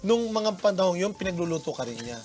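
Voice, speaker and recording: A man's voice: high voice, big pitch swings, fast talker, a little mellow, faint music behind. A man co-hosting a casual chat, reacting with playful exclamations and teasing asides. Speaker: priest co-host.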